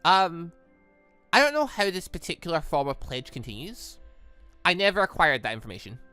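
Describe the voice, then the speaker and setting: A young man hosting a gaming channel, giving casual, rambling and excitable Let's Play commentary. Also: on the high side, normal speed, clean tone, no room sound, soft background music.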